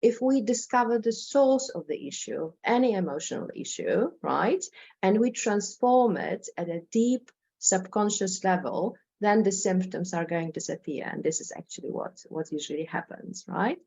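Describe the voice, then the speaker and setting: This informal talk comes from a Polish-accented hypnotherapist from Poland whose mid-range voice is mellow and lively, with vocal fry and a breathy edge at a normal speed. She's hesitant, repeats words, and frequently adds "right?" to connect with listeners, all on dull-sounding audio.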